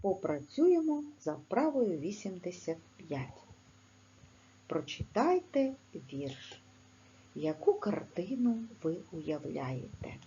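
A woman with a Ukrainian accent teaching a video lesson to schoolchildren, dictating slowly and clearly. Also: fairly low pitch, sing-song, mellow. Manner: slow, clear, instructive dictation. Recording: slightly dull, faint background noise.

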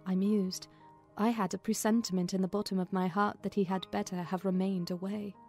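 A woman reading a classic novel as a dramatized audiobook, in a measured, expressive storytelling manner. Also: mid-range voice, faint music behind. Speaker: audiobook narrator.

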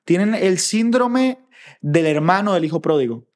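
A young man, talking earnestly and reflectively with halting restarts. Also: high voice, animated. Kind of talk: casual chat.

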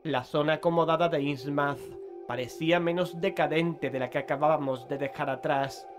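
An actor playing a haunted, foreboding investigator in a horror audio drama, speaking in a solemn, literary way. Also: male voice, a little high, close to an everyday voice. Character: grim, foreboding male investigator haunted by visions. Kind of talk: Spanish horror audio drama, narration and dialogue.

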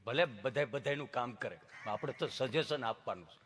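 A man doing a low, mumbling village simpleton. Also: moderate pace, a bit bright, close to an everyday voice. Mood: stubborn. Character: slow-witted adult village man, deadpan and literal.

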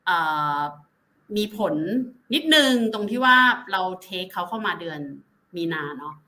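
A woman speaking as a company executive guest, explaining at length with soft particles and frequent restarts. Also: mid-range voice, animated, a little slow. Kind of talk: casual business explanation.

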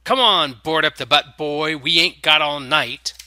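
A man's voice: on the high side, a little slow, bright, forceful tone, no room sound, studio quality. A man voicing a gaunt, lewd, cheesy vampire biker in a storybook reading, with a leering, exclamatory flirtiness. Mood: lewd, eager.

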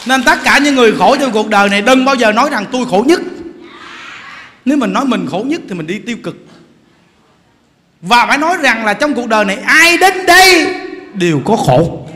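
A Buddhist monk giving an animated sermon, joking as he tells stories and addresses the audience directly. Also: very high voice, a little fast, long pauses, long reverb tail, slight background noise. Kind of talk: lively sermon.

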